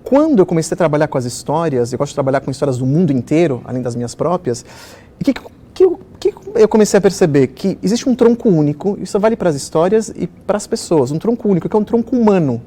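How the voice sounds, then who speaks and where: Animated middle-aged man telling stories. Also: a little high, quick pace. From Israel. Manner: animated storyteller, many fillers. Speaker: children's author. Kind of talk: conversational interview storytelling.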